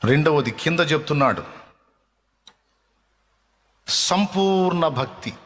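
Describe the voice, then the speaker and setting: A man preaching a sermon as a pastor, with emphatic repetition and slowing down for stress. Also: on the high side, animated, a bit bright, long reverb tail.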